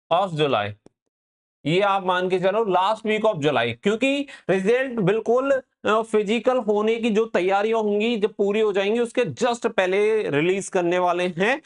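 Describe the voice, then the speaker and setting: A man giving an informal, advisory exam update as a coaching host, mixing in English words. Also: sits high.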